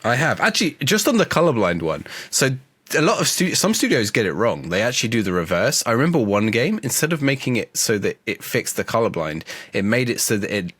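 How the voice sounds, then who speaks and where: A man's voice: mid-range voice, big pitch swings, a little fast, fairly bright tone, husky, no room sound. A man co-hosting a podcast in casual chat, congested from a cold and chatty, with frequent restarts. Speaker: podcast co-host.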